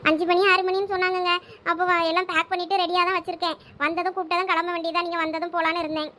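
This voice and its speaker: A woman's voice: very high-pitched, little pitch movement, rapid-fire, pushed and bright. A woman acting as a young wife in a village family comedy-drama, talking in a pleading, emotional way. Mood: calm. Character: young wife, tearful then shy. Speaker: actor in a village family skit.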